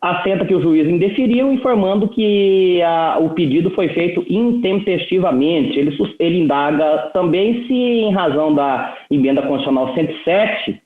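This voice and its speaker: A man's voice: fairly high pitch, slight background noise. A man serving as judge rapporteur, reading a formal court report with frequent hesitations and restarts. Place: courtroom session. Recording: echoey, phone-like sound.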